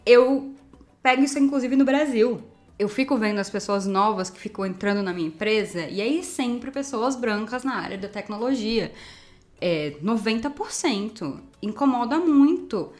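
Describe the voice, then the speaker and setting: A woman's voice: on the high side, expressive, moderate pace, a little mellow, soft background music. A woman with a Brazilian Portuguese accent co-hosting a podcast, speaking earnestly and with emphasis. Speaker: podcast co-host. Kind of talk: casual chat.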